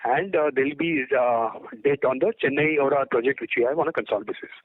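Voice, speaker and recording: A man's voice: mid-range voice, a little fast, no room sound, phone-quality sound. A man with an Indian accent, a company executive answering questions on an earnings call, hesitant and repeating words, over a phone conference line.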